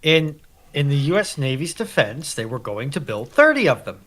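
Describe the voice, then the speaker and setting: A man's voice: fairly high pitch, sing-song, moderate pace, a bit bright. A man speaking as a panelist in a casual, geeky debate.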